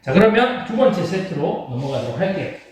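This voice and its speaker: Male home-workout instructor, fairly high voice, courteous and encouraging explanations, distant roomy sound. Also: very animated, brisk, a little hiss or hum. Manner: polite, encouraging, checks in with followers. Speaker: home training fitness instructor. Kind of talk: exercise class instruction, explaining to viewers. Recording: very echoey room, distant from mic.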